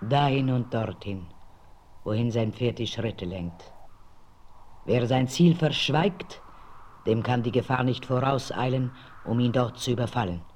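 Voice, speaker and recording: An actor playing a lone mysterious Native American man in a radio play, halting and speaking in hushed whispers. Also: medium pitch, a little hiss or hum, natural voice. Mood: solemn. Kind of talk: 1970s radio play acting.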